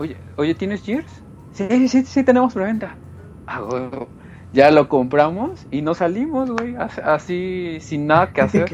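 A man speaks very slowly in a high voice with very wide pitch swings while music plays in the background. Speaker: podcast co-host. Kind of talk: casual chat.

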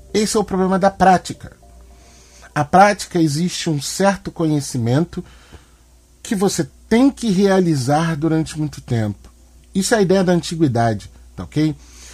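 Speaking at a moderate pace, a man with a high pitch leaves long, frequent pauses. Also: lively intonation. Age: 40s. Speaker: podcast host and public school teacher. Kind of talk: solo podcast monologue. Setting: at home. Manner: casual and conversational.

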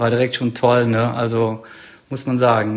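A man with a medium-pitched voice speaks in a monotone, flat way at a moderate pace, with noticeable background noise around him. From Germany, Eifel (Rhineland-Palatinate). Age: 50s. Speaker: amateur mountain biker. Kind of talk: casual chat.

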